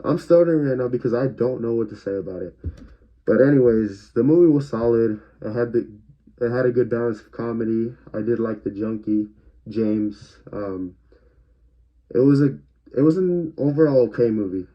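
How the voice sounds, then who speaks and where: A film reviewer gives a casual spoken movie review in a medium-pitched voice at a moderate pace. He sounds hesitant and stutters, using many fillers, and the recording is dull and lo-fi.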